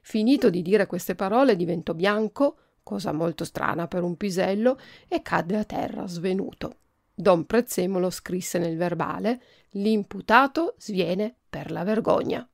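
A woman podcast host reading a children's book aloud, expressive and lively. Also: fairly low pitch, moderate pace, vocal fry, dry recording, clean studio sound.

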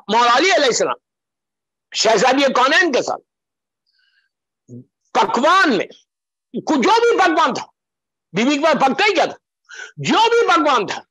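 A man's voice: very high voice, a bit bright, no echo, low-quality recording. A man preaching a Muharram majlis sermon to a gathering broadcast live, pleading and impassioned, repeating phrases for emphasis and slipping in English phrases. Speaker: Shia preacher.

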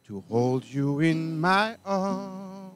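A man in his forties singing a slow, gentle ballad at an outdoor graveside service, into a stand mic. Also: fairly high pitch, animated. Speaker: singer with guitar at a funeral. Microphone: stand mic close to the singer. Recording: live outdoor stream with guitar. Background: acoustic guitar.

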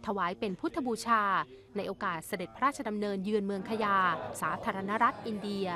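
A woman news reporter reading a scripted royal news report in a formal, measured way. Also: mid-range voice, over music.

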